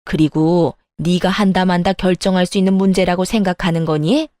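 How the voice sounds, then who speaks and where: A woman's voice: fairly low pitch, steady tone, normal speed, a little mellow, no echo, clean studio sound, lightly acted. A woman playing a domineering scolding mother-in-law. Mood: indignant scolding. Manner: harsh, contemptuous scolding. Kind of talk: audio drama acting.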